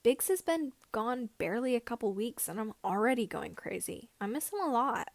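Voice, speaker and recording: Seventeen-year-old male mechanic female reader: earnest, excitable, chatty, high voice, dry audiobook sound. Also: normal speed, gravelly, dry recording.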